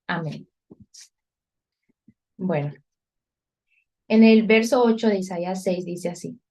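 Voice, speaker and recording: A woman's voice: mid-range voice, warm tone. A woman hosting a religious gathering, reading devotional texts and introducing a guest. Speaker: host introducing a guest's testimony. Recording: dull, lo-fi audio.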